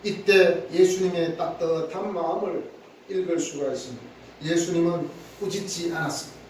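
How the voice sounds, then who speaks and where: A man's voice: on the high side, normal speed, a little hiss or hum. A man, a pastor, preaching an earnest sermon, often repeating words and acting out quotes. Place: church sanctuary. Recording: echoey church hall, mic at a distance.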